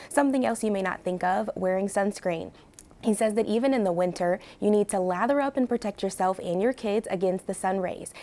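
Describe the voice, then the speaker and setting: A woman's voice: medium pitch, a little mellow. An American woman working as a TV news reporter, delivering a live report in a polished, emphatic newsreader manner.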